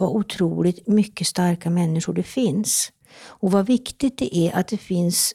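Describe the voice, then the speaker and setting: At a moderate pace, a woman with a medium pitch and a dark, mellow tone speaks with ordinary pitch variation, recorded very cleanly against a silent background with a dry, close sound and no echo. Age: 60s. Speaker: panelist, grandmother of a boy with hemophilia. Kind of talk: panel discussion.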